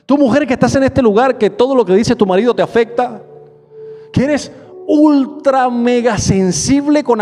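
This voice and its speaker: Pastor guy preaching in church, really high voice, long echo and soft music behind. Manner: preaching with quick bursts and slow drawn-out emphasis; acts out quoted prayers and imagined listeners. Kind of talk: sermon.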